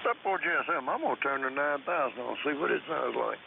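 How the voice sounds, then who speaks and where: A man's voice: medium pitch, lively intonation, fast talker, creaky. A man chatting casually as an amateur operator over a ham radio transmission. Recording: narrow, hissy, noisy radio link.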